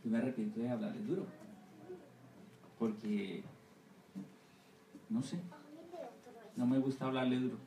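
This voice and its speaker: A missionary pastor giving a Sunday school sermon, often asking the congregation for agreement with amen and right. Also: male voice, medium pitch, fairly even intonation, a little slow, long pauses, recorded from a distance, noisy background. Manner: asks the congregation for assent, repeating amen and right. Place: church hall. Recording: echoey room, voice from off-mic.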